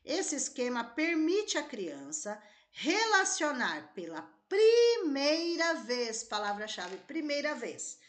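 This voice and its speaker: A woman's voice: fairly high pitch, bright, forceful tone. Brazilian woman teacher talking through test questions. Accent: Brazilian Portuguese. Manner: thinks aloud, rechecks answers, tags lines with "né?" and "tá?". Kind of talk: exam-prep lesson, reading and solving test questions.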